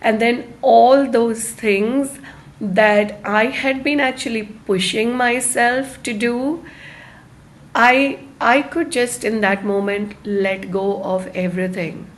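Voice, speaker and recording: A woman hosting a live online self-help talk, speaking to her viewers in a halting, deliberate way with stressed phrases. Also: mid-range voice. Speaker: host of a live-streamed self-help series.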